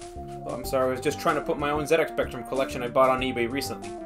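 Clear music plays behind a man who speaks very fast. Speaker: retro game reviewer / YouTuber. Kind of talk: casual talk to camera, review commentary. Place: home room.

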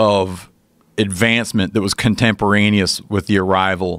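A man with a very deep, low voice talks in a flat monotone, the sound dry with no echo against a quiet background. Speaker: podcast guest. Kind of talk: interview answer. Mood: thoughtful, reflective. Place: studio. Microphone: studio mic.

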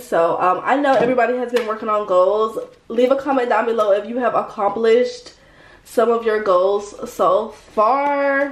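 A woman talks with a fairly high pitch. Audible room echo surrounds her voice. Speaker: content creator. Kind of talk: casual chat. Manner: chatty, friendly, animated. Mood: chatty, upbeat. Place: home room.

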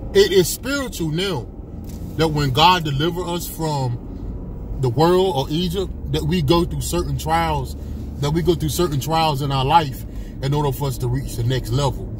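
At a moderate pace, a man speaks in a dry sound with no echo over noticeable background noise. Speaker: vlogger. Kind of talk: casual vlog chat, religious reflection. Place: car. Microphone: phone near.

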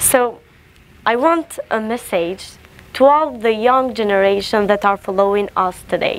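A woman's fairly high voice with an Albanian accent, fairly slow, with ordinary pitch variation and a dry sound with no echo. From Kosovo. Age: young. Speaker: TV interviewer. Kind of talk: interview. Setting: military camp. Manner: formal. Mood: friendly, smiling. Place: open country.

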